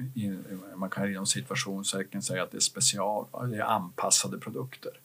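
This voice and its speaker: A man speaks with ordinary pitch variation. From northern Sweden, Skellefteå. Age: 60s. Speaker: company CEO. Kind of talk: interview.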